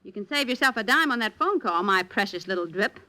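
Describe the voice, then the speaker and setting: A woman's voice: medium pitch, expressive, brisk, bright, forceful tone. An actress playing a scheming, glamorous female film star in a 1950s radio drama, sultry and condescending.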